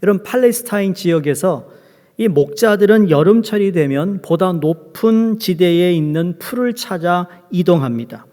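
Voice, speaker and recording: A man's voice: high-pitched, lively intonation, normal speed, dark tone. A man preaching a sermon as pastor, joking with his congregation. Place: church sanctuary. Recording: long hall reverb.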